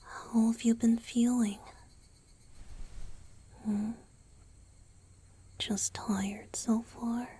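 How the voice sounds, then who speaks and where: A woman playing a gentle, doting young male vampire boyfriend in a romantic ASMR roleplay, speaking softly and tenderly, mostly in a breathy whisper. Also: fairly high pitch, level tone, drawn-out words, pauses often, full character voice. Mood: caring, attentive. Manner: tender, attentive, softly reassuring.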